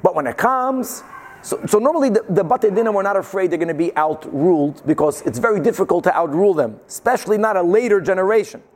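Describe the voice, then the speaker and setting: A man's voice: high voice, expressive, quick pace, darkish tone. A man teaches. He explains emphatically and informally, as in a religious class, sprinkling Hebrew and Yiddish terms through his sentences. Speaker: Talmud teacher.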